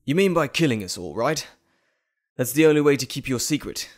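An anxious male doctor held captive played by a man in an audio drama. He is wry and expressive, his pitch swinging widely in a mid-range voice. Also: fairly quick, natural voice. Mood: alarmed, defiant.

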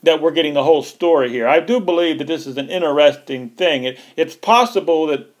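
A man's voice: fairly high pitch, fairly quick. A man hosting a political commentary video, talking in an emphatic, repetitive and heated way.

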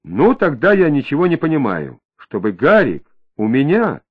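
A capricious young woman, as a male reader puts her on, her lines swinging between a dreamy drawl and sharp, prickly snaps. The voice moves lively up and down in pitch. The sound is thin and tinny, like a phone line. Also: moderate pace, husky, exaggerated voice.

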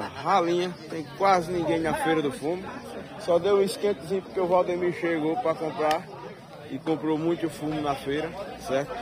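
Man vlogging at a noisy market. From Northeast Brazil. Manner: chatty, drawn-out pitching of prices. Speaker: channel host filming a market. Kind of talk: casual vlog commentary. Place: busy outdoor street market. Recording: outdoor street market crowd noise. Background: crowd chatter and traffic.

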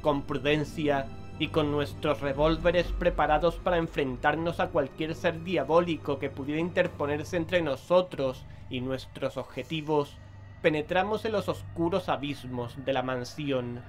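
A resolute, solemn investigator acted by a man in a horror audio drama. His voice sits a little high, with faint music behind it. He speaks with literary formality. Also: unhurried, close to an everyday voice. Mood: solemn, uneasy. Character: resolute, solemn male investigator leading and narrating.

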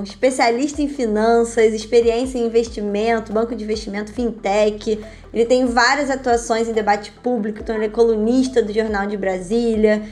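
A young woman hosting an interview show over a video call, giving a measured introduction of her guest. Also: fairly high pitch, darkish tone. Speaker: host. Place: home room with bookshelf.

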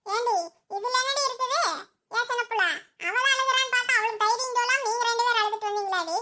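A woman voices a caring, scolding village aunt in a cartoon, in a very high, bright and piercing voice. She fusses over everyone in a homely, chiding way. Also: fast talker. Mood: scolding, consoling. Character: older village women of a big family, caring and scolding. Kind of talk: cartoon voice acting.

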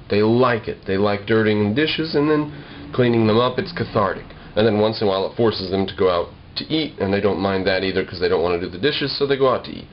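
A young American man talking casually to the camera in a wry, slightly formal way, explaining things in a homemade vlog. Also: fairly low pitch. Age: young adult. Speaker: video blogger. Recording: dull lo-fi home video with noise.

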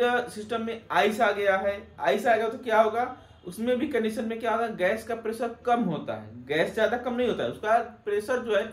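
Set against a plain backdrop indoors, the young host of a technician channel teaches to camera and keeps asking himself rhetorical questions along the way. His voice sits high, and the room sounds echoey.

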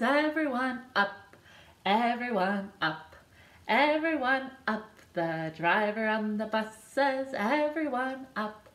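Woman librarian, very slow sing-song, bouncy sound effects, echoey living room. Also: medium pitch, fairly bright tone. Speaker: children's librarian. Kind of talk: singing a picture book for babies. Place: living room with a couch and a decorated wall.

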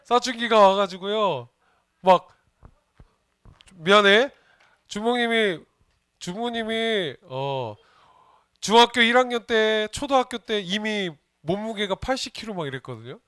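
A man's voice: sits high, lively intonation, unhurried, pauses often, a bit bright, clean tone, dry recording, studio quality. A man, a junior pastor, giving a playful children's sermon and asking the kids questions as he goes. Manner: playful, asks the children questions and jokes with them.

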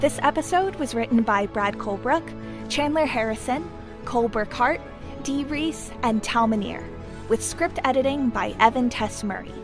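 A woman with a fairly high voice reads credits as an announcer. Her delivery is scripted, and music plays prominently underneath her. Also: normal speed.

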